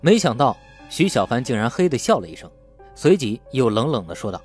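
A man's voice: mid-range voice, big pitch swings, a little fast, darkish tone, soft background music. A man reading scripted, dramatic story narration as an audiobook narrator.

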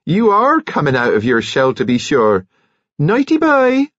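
A man voicing a brisk, cheerful female district nurse with a hearty, bustling manner, as part of a story reading. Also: mid-range voice, very animated, a little mellow, breathy edge, no room sound, highs cut off, pitched above the performer's own voice. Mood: cheerful, teasing. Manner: hearty, bustling, chirpy turns of phrase.

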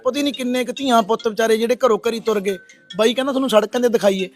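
High-voiced fast-talking Punjabi social worker. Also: male voice, steady tone, faint music behind. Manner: shouts angrily at villagers, then speaks softly to the rescued man. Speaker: social worker rescuing a missing man. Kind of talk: on-the-spot confrontation and gentle questioning. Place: outdoors in a village.

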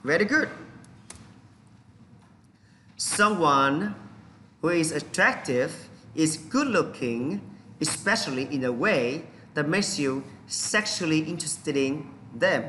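A man's voice: on the high side, big pitch swings, a little slow, bright, forceful tone, slight background noise. A man with a Vietnamese accent teaching English vocabulary, drilling pronunciation and switching between English and Vietnamese. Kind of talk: bilingual vocabulary lesson.

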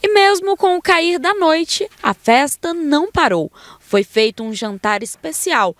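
A woman's voice: high voice, expressive, a little slow, a bit bright, dry recording. A woman with a Brazilian accent reading a scripted television news report as the reporter.

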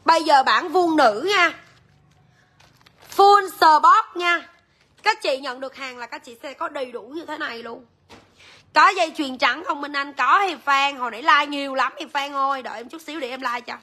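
A woman's voice: high-pitched, sharp tone. A woman, chatting straight to viewers as she sells jewelry on a livestream. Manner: chatty, addresses viewers directly. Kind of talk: live-selling chat.

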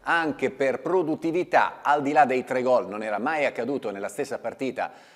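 A man's voice: mid-range voice, moderate pace, long reverb tail. A man in his fifties hosting a studio sports report, speaking in long, formal sentences. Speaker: sports programme host. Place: indoor TV studio. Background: music.

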